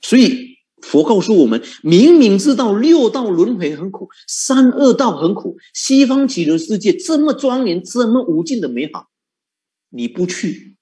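A man preaches a Buddhist sermon, his pitch rising and falling in lively swings. He sits a little higher than most men and keeps asking his listeners rhetorical questions. He chuckles often as he coaxes them along. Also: a little slow. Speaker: Buddhist monk teaching.

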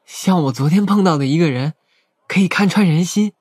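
An actor playing a timid, earnest young police rookie in an audio drama, hesitant and artless. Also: male voice, high-pitched, a little fast, a little mellow, slightly rough, dry recording, clean studio sound. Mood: wondering, earnest.

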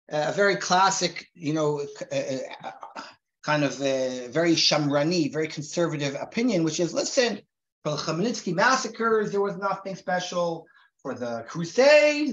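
A man's voice: sits high, a bit bright. A man in his forties, raised in Israel, giving a recorded class to a group in a conversational way, often restarting and repeating words. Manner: reads Hebrew sources aloud quickly. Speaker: rabbi teaching a class. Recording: roomy, dull lo-fi sound.

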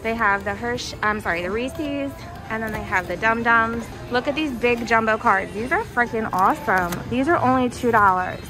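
Holding her own phone or camera, a young American shopping vlogger enthusiastically chats about products in a discount store. Her voice is fairly high and her pace normal, with music playing behind her.

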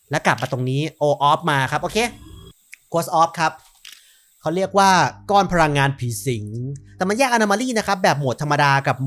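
A man's voice: medium pitch, a bit bright. A man hosting a gaming channel, chatting straight to his viewers in casual commentary as he plays a horror game. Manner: chatty, talks straight to viewers while playing.

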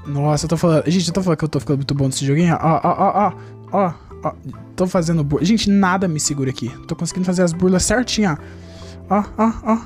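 A man from Brazil giving excitable gameplay commentary as a YouTuber, chatting nonstop to his viewers and jumping high in pitch when something surprises him. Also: quick pace, soft background music. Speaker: gaming YouTuber.

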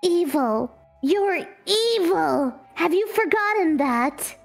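A giggly, encouraging woman streamer co-hosting a show with excited casual banter. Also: very high-pitched, slow pace, gravelly. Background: music.

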